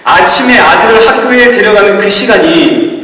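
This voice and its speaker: A middle-aged male pastor delivers a sermon in a high voice, telling a personal story in a frank, confessional way. He sounds distant from the mic. A long reverb fills the church hall. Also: animated, moderate pace, pushed and bright. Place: church sanctuary.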